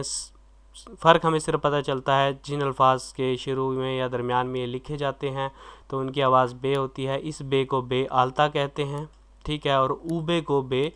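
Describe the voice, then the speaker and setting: A man's voice: mid-range voice, a bit bright. A man with a Pakistani Urdu accent, teaching a recorded video lesson and sounding out words letter by letter. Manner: spells words out letter by letter, sounding each syllable; clears throat now and then. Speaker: language teacher.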